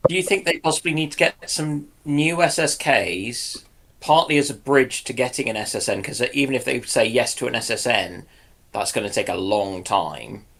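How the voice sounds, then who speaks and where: A man's voice: mid-range voice, normal speed, vocal fry, a bit bright, a little hiss or hum. A man chatting casually as a panelist, tentative and searching for his words as he makes his point. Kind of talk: casual discussion.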